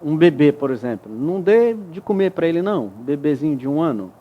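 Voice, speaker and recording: A man's voice: on the high side, big pitch swings, a little fast, lo-fi sound. A man as a studio interview guest, explaining ideas patiently with examples and frequent tag questions. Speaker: guest expert.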